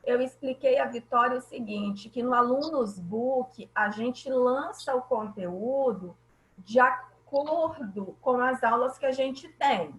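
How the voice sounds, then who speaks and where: A woman's voice: on the high side, slow, reverberant, poor audio. A woman teacher with a Brazilian Portuguese accent, patiently explaining grammar in an online class and often checking that students follow.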